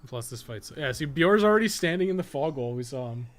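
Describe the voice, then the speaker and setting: A man's voice: fairly high pitch, lively intonation, fairly quick. A man giving casual live gameplay commentary as a streamer, swearing casually. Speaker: game livestreamer. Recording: clearly noisy background.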